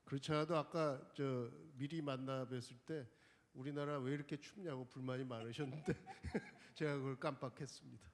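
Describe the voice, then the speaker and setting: A man's voice: medium pitch, fairly even intonation, very fast. A man moderating a panel discussion in a conversational style. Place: large conference hall. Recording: long hall reverb.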